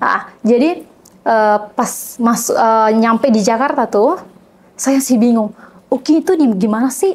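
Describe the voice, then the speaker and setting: The voice has lively intonation at a fairly slow pace. Its loudness stays very even. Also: woman, fairly high pitch for a woman. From Mentawai, West Sumatra, Indonesia. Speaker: university student. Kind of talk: interview, personal story. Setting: studio. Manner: halting, many fillers.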